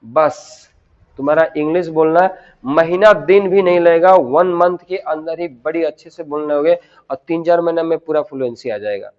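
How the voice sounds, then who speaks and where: Hindi-speaking male teacher drilling words slowly. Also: on the high side. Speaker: English teacher. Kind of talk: spoken English lesson in Hindi. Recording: dull lo-fi sound.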